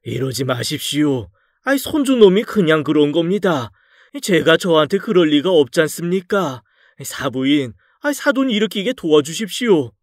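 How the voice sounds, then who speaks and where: A kind elderly father, voiced by a male narrator, pleads hurriedly to make peace in a storybook drama. The voice is raised higher than the narrator's own and sounds flustered. The recording is dry and close. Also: big pitch swings, normal speed, no echo.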